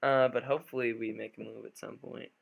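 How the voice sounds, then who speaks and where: Raspy man thinking aloud through a match. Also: mid-range voice, flat delivery, fairly quick. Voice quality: a little raspy. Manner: thinks aloud with frequent fillers and restarts. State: just woke up. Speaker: gaming commentator. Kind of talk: live gameplay commentary.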